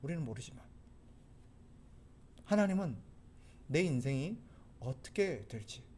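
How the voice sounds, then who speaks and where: High-voiced Korean pastor preaching earnestly. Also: male voice, dark tone. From South Korea. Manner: earnest preaching, rising to pleading urgency. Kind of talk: sermon.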